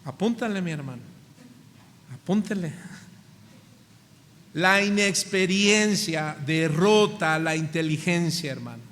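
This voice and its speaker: A Mexican pastor with a high, bright voice preaches with a Mexican accent, putting question after question to his congregation and stretching out the words he stresses. The sound carries the long reverb of a church hall. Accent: Mexican Spanish. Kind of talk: sermon.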